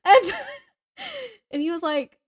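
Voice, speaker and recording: A woman chatting casually as a podcast co-host, telling stories in an animated way and acting out what people said. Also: very high voice, takes it slowly. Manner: animated storyteller who acts out reported dialogue and jokes at herself. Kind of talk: casual chat, storytelling.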